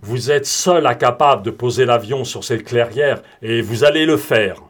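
A man's voice: mid-range voice, normal speed, a little hiss or hum, natural voice. A man voicing a menacing male hijacker in a read-aloud adventure story, with a threatening, insistent delivery. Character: menacing male hijacker who is also a pilot.

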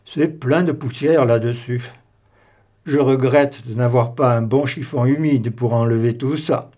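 A man's voice: medium pitch, fairly even intonation, measured pace, mellow, natural voice. A man voicing a fussy, precise Belgian detective in an audiobook, with a prim, finicky manner. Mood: rueful.

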